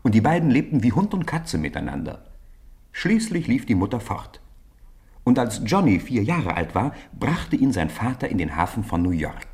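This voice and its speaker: A man narrating a German children's radio play as an expressive, deliberate storyteller. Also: mid-range voice.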